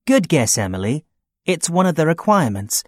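A man's voice: fairly high pitch, moderate pace, no echo, clean studio sound. A man playing a young job-hunting guy. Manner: plain, steady, matter-of-fact. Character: young man looking for part-time work. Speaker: student character in a listening test. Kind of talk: scripted exam dialogue.

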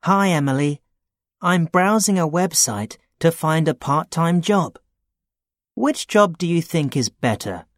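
A man playing a young man looking for a part-time job, talking in a plain, steady, matter-of-fact way in a scripted dialogue. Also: on the high side, a little slow, no room sound, studio quality. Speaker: student character in a listening test.

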